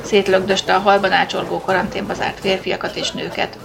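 A woman narrating a science fiction story in a steady, measured audiobook reading. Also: mid-range voice, creaky, noisy background.

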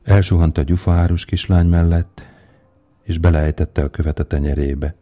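A man narrating a fairy tale in a calm, measured storytelling way. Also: deep voice.

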